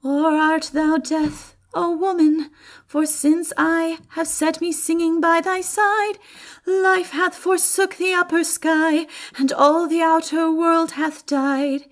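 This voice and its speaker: A woman performing a lovelorn young man in an audiobook, singing slow, drawn-out verse with melodic yearning. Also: very high voice, flat delivery, faint music behind, pitched above the performer's own voice. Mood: passionate longing.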